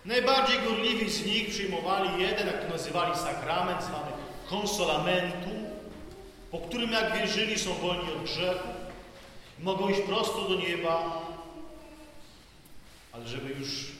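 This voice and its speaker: A man preaching a sermon in a slow, solemn way, pausing between phrases, as a priest speaking to the faithful. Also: high voice, pushed and bright, slight background noise. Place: large church. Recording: echoey church hall.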